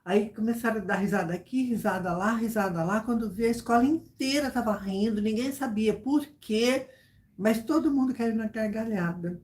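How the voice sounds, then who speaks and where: Woman, casual YouTube storyteller, mellow and warm, lively retelling, lots of asides. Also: a little high, normal speed. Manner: animated, repeats phrases, many "sabe?" asides. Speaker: YouTuber chatting with subscribers.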